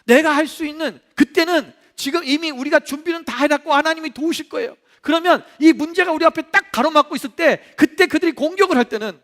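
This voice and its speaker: A male pastor preaching a sermon in a church, animated, acting out the voices he quotes. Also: very high-pitched, fast talker, few pauses. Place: church sanctuary. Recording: long reverb of a church hall.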